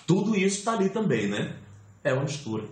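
A Bahian man talks as a guest on an interview show, his voice sitting a touch high and swinging widely as he tells his story. The sound carries a noticeable room echo. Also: fairly quick. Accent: Bahian Portuguese. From Salvador, Bahia, Brazil. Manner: animated storyteller, expressive swings. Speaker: actor and guest. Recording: roomy echo.

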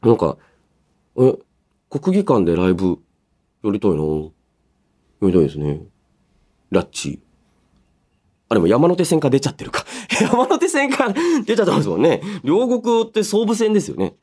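A man's voice: mid-range voice, wildly swooping pitch, moderate pace, long pauses. A man hosting a radio show, moving between casual chat and announcements in a polite, chatty way. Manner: polite, chatty, frequent soft "ne" tags. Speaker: radio show host and voice actor.

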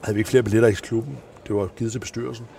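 A man, a former handball coach, telling animated stories in an interview and acting out the people he quotes. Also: lowish voice, creaky, a little hiss or hum. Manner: animated, acts out quoted voices in anecdotes. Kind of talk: anecdotal interview storytelling.

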